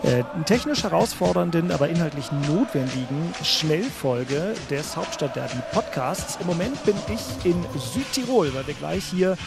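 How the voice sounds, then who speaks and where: A man hosting a sports podcast in a conversational style, pausing as he phrases things. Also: a little high, very animated, vocal fry, over music.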